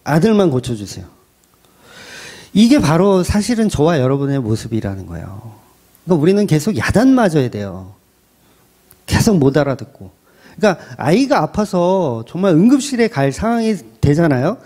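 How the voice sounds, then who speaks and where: A man's voice: fairly high pitch, very animated, normal speed, warm tone. A male pastor preaching a sermon in a conversational way, acting out quotes and putting questions to his listeners.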